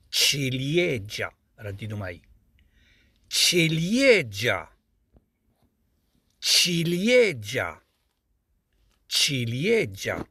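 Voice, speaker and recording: A man with a Moroccan Arabic accent leads an Italian pronunciation drill, saying each word slowly and more than once. His pitch swings widely as he stresses sounds, and his voice is a little husky. He is recorded close up in a dry room. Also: pushed and bright, no room sound. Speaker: Italian teacher. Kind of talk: pronunciation lesson.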